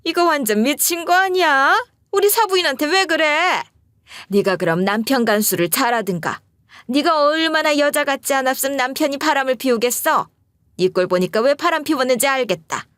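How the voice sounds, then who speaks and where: A woman voicing a wealthy, blunt older mother-in-law who talks loudly and freely. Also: mid-range voice, expressive, a little slow, no echo, natural voice. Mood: shrieking. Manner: shrieking insults, then gushing.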